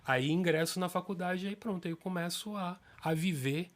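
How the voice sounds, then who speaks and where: A man in his fifties from Salvador with a Bahian Brazilian accent, telling his life story as a guest in a relaxed interview. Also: moderate pace. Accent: Bahian Brazilian Portuguese. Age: 50s. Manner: animated storyteller, pitch rises when excited. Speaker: guest, stage actor.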